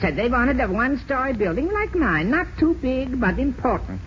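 An actor playing an excitable, voluble immigrant store owner in a 1940s radio drama. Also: male voice, very high-pitched, moderate pace. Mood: explaining. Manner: inverted syntax, voluble. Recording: scratchy muffled 1940s radio recording.

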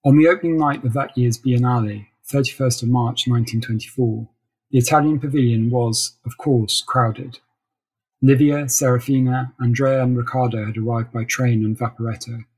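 A man narrates literary fiction in a measured storytelling style. His voice sits at a middling pitch and has a husky, less polished grain. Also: fairly even intonation, darkish tone, poor audio. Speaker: narrator reading a short story.

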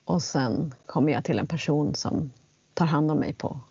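Gravelly woman telling a story. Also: deep voice, no echo, dull audio. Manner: animated, acts out quotes in English. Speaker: guest telling a personal story. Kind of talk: casual storytelling in conversation.

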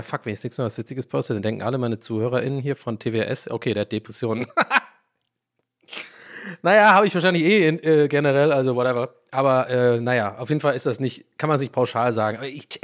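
A man from Ireland whose first language is English, hosting a solo podcast in a chatty, rambling way, often losing his thread and laughing at himself. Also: mid-range voice. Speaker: podcast host.

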